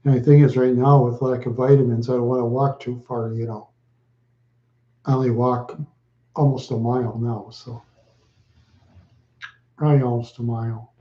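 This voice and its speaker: Man, livestream chat, halting, repetitive, echoey room, dull lo-fi audio. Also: medium pitch, little pitch movement. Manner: slow, halting, repeats short answers. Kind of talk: live stream chat with viewers.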